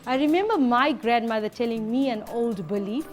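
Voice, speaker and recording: A woman teaching a reading lesson to a class, lively and playful. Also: fairly high pitch, normal speed, soft background music. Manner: lively, switching to a playful storyteller persona.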